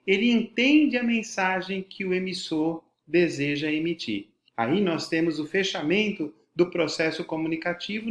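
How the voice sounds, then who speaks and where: A man's voice: sits high, roomy sound. A man with a Brazilian Portuguese accent, a teacher giving a formal, didactic lecture and stressing words for emphasis. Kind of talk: educational lecture on voice and podcasting.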